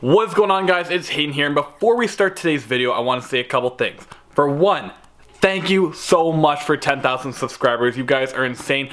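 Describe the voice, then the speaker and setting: Noticeable background noise sits behind a man's voice. His pitch is fairly high and his intonation lively. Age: young. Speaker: YouTuber. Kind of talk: vlog. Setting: in a car. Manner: loud.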